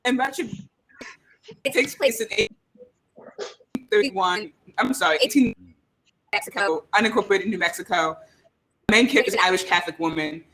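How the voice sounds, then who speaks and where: Woman, very bright voice, medium pitch, halting thoughtful delivery, casual panel talk. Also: rough recording. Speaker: panelist, audio drama creator.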